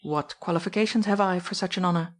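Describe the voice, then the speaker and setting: A woman's voice: lowish voice, fast, close to an everyday voice. A woman reading an audiobook, voicing a composed man who speaks curtly and firmly. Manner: curt, firm. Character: composed adult man, curt and commanding.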